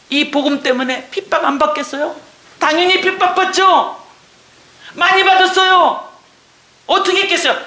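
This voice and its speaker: A woman's voice: sits high, sharp tone, reverberant. A woman missionary giving an emotional testimony, earnest and tearful, with many exclamations and rhetorical questions.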